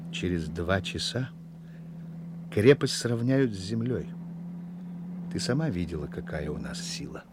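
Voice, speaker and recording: An actor playing a smug, cunning German army officer in a radio drama, mock-friendly and condescending, used to giving orders. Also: male voice, low-pitched, animated, measured pace, pauses often. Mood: cold, persuasive. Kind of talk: Soviet radio drama acting. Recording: noisy old radio drama recording.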